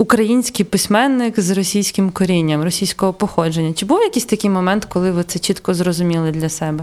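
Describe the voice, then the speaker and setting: A woman talks at a fairly quick pace with hardly any pauses, her pitch medium and its variation ordinary. Hers is an unremarkable speaking voice. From Ukraine, Kyiv region. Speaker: podcast host. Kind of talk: casual interview. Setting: cafe.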